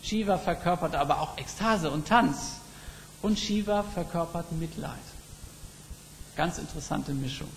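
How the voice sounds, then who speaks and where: A man preaching a sermon, reflective and slow, telling stories with emphatic pauses. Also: a little high, creaky. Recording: long reverb with faint background noise.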